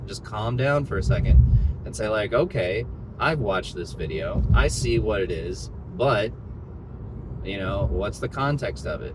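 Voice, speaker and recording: A man talks at a moderate pace with long, frequent pauses. Audible room echo and noticeable background noise surround him. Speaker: vlogger. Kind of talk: casual monologue. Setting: in a car. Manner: slurred words; halting, many fillers.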